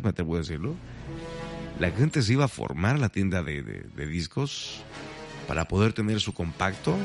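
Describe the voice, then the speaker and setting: Man, radio host, very lively swooping delivery, music bed behind. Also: on the low side. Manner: chatty, playful, addresses listeners directly. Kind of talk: morning radio trivia segment.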